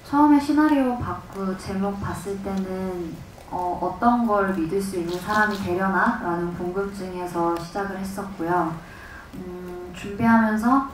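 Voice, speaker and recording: Thoughtful actress in an echoey hall. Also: female voice, medium pitch, far from the mic, a little hiss or hum. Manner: thoughtful, measured. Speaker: actress at a press conference. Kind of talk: answering questions on a panel. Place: large cinema hall.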